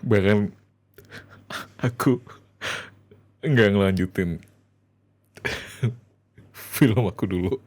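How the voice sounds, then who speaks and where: A man with an Indonesian accent playing a loving, emotional young husband in an intimate ASMR roleplay, speaking tenderly and haltingly. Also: fairly low pitch. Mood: happy, overwhelmed. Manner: tender, halting, soft chuckles and whispers. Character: loving young husband, overjoyed about becoming a father.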